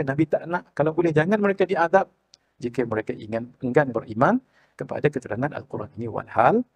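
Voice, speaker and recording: Husky Malaysian man preaching a sermon. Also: mid-range voice, a little mellow. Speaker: religious teacher. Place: mosque prayer hall.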